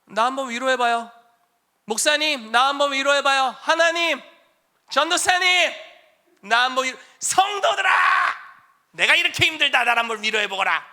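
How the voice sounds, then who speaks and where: A man acts out a self-centered churchgoer begging to be comforted, his voice pitched high and thin as it climbs into a shout. The whining is bright and pushy, the tone of someone sure that everyone around him owes him sympathy. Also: expressive, normal speed, exaggerated voice. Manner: pleading, escalating to shouts.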